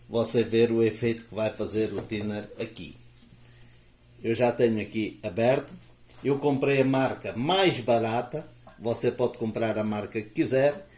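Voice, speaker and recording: A man's voice: mid-range voice, a little mellow, slight background noise. A man from Portugal with a European Portuguese accent, hosting a casual how-to demonstration and chatting at length as he works. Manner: chatty, explains at length, frequent "né?" and "ó". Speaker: DIY video host. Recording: echoey room.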